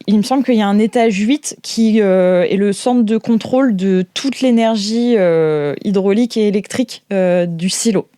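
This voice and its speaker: A woman runs a tabletop role-playing game as its narrator. Her voice sits at a medium pitch in a very dry recording. She improvises conversationally, hesitating as she goes. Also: normal speed, hardly any pauses, mellow, no room sound. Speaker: game master and host.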